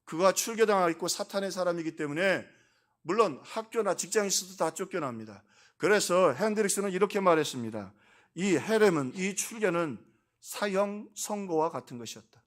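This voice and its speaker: A middle-aged male pastor delivering a Sunday sermon in a church sanctuary. His voice sits a little high for a man, and he tells the story by voicing its characters himself. He drops to a hush on some lines and then comes back loud and emphatic. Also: lively intonation, brisk. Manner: storytelling preacher, acts out dialogue, swings between hushed and emphatic. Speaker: senior pastor.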